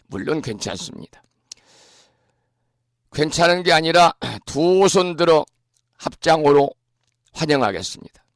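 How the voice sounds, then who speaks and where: A man, a Buddhist monk, giving a morning talk on scripture in a hoarse voice from a lingering cold, speaking slowly and clearing his throat often. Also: fairly high pitch, expressive, no room sound, studio quality. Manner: slow, measured teaching delivery. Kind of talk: dharma talk explaining scripture.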